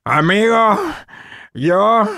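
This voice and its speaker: A man doing the voice of an excitable, goofy young male panda warrior from an animated film. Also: sits high, drawn-out words, vocal fry, full character voice. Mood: proud.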